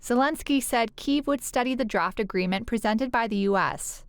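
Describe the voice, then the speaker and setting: Creaky, higher-voiced woman reading news. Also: moderate pace, no room sound, studio quality. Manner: matter-of-fact delivery. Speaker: news reporter. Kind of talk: scripted news narration.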